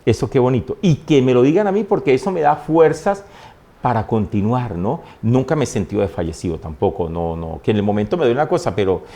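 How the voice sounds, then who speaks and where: Lively gravelly-voiced priest telling stories. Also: male voice, mid-range voice, fast. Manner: animated, laughing often, acts out his mother's words. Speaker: priest, guest. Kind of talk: conversational storytelling.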